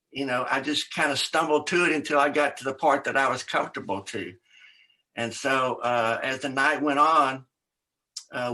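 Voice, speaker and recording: Older man, bright voice, rambling storyteller, casual interview guest. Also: mid-range voice. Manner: rambling, animated storyteller with laughs and quoted voices.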